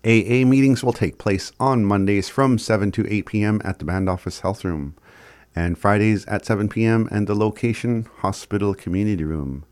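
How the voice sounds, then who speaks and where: Guy w indigenous canadian rez accent doing community notices, lowish voice, really dry sound, bit informal. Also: moderate pace, a little mellow, no room sound. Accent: Indigenous Canadian reservation accent. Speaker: community announcer. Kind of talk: reading scripted community announcements.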